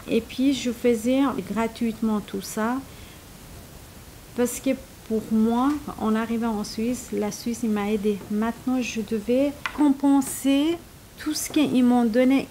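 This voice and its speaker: Woman, from Iran, middle-aged, halting interview talk, slow pace. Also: fairly high pitch, steady tone, warm tone, slight background noise, poor audio. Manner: slow, searching for words, many hesitations. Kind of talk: personal interview.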